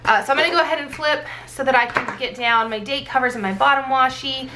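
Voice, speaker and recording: Hoarse, higher-pitched woman vlogging. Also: quick pace. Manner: rambling, thinking aloud. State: sick, losing her voice. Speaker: planner vlogger and sticker shop owner. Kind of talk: casual chatty plan-with-me vlog. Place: indoors at a desk. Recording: clear background noise.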